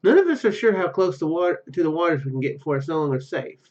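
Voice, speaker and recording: A man's voice: fairly high pitch, very animated, fast talker, a little mellow, highs cut off. A man hosting a gaming video, reading game text aloud and commenting as he plays.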